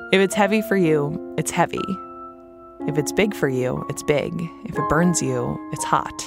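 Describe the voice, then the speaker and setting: Low-voiced woman hosting a reflective monologue. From United States. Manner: earnest, wry asides. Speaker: podcast host.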